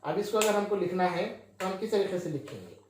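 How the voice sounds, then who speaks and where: A man's voice: sits high, lively intonation, fairly quick, darkish tone, very echoey, a little hiss or hum. A male teacher explaining a maths lesson, who asks questions and answers them himself with frequent checks on his listeners.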